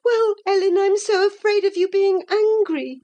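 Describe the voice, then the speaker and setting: A woman's voice: high voice, measured pace, a little mellow, pitched above the performer's own voice. A woman voicing an earnest, impulsive teenage girl in an audiobook, talking in an eager, confiding way. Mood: pleading. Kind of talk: audiobook character voice.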